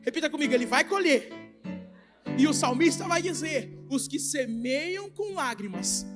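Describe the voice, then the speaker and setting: A Brazilian man preaching an impassioned sermon in a very high voice. He shifts from shouting to quiet, pleading appeals. Soft instrumental music plays faintly underneath. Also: animated, moderate pace. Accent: Brazilian Portuguese. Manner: swings between shouting and hushed, intimate pleading. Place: large retreat hall with a congregation.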